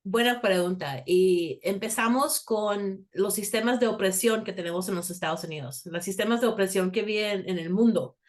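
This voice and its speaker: A woman's voice: medium pitch, moderate pace, hardly any pauses. A woman from Colombia, raised in the United States, speaking Spanish with a Salvadoran-influenced accent as a guest counselor in an interview, in a conversational way with restarts. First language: English. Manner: conversational, with light laughs and restarts. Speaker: multicultural school counselor, guest. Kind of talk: interview answers.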